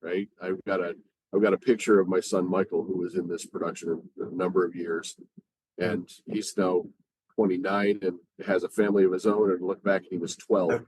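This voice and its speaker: Deep husky American man. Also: little pitch movement, moderate pace, a little mellow, no echo, rough recording. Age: middle-aged or older. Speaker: community theater actor and podcast guest. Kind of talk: casual chat.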